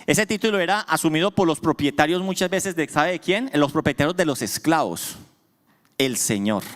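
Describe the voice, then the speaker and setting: A man's voice: fairly high pitch, a bit bright. A man pastor preaching a sermon, asking his congregation questions and answering them himself with emphasis. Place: church hall. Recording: long church hall reverb.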